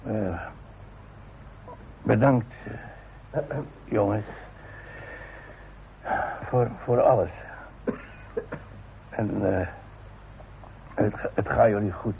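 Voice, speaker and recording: An actor playing a proud, gruff old chimney worker in a Dutch radio play, plain-spoken and halting. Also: male voice, lowish voice, heavily acted. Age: older. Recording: muffled phone-like old radio recording, faint noise.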